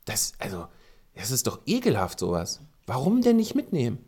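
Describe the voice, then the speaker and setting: A man hosting a podcast, giving casual advice to dog owners and working as a dog trainer, talking in an animated way with frequent ums and restarts. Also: mid-range voice, moderate pace, slightly rough. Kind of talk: casual spoken advice talk.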